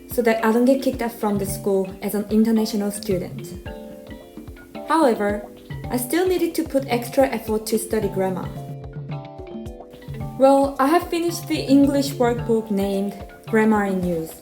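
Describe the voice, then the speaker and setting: A woman's voice: on the high side, warm tone. Woman, Korean accent, twenties, casual self-deprecating vlog chat, echoey room. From South Korea. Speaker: vlogger.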